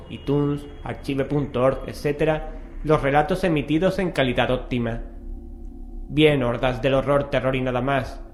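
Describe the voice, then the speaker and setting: A man's voice: medium pitch, slight background noise. A man with an accent from Spain, presenting and narrating a horror radio show in a theatrical, ominous way. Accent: Spanish (Spain).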